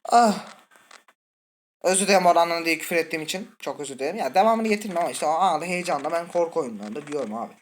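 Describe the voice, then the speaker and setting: Brief: male let's-play host, nervous and twitchy, swings from high yelps to low mutters, curses at the game, keeps asking the viewers things. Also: lively intonation, racing, slight background noise. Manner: jittery, scared, muttering and cursing at the game; talks directly to viewers. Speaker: gaming channel host.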